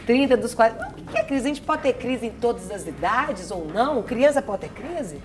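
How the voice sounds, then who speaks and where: Lively woman talk-show host. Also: a little high. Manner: playful, quick questions. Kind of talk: casual talk-show hosting. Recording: faint music behind.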